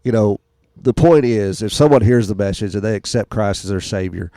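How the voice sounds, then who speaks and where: Male interview guest, low warm voice, sincere testimony, dry mic. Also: fairly quick, no room sound. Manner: earnest, heartfelt testimony. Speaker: rodeo guest. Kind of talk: radio interview.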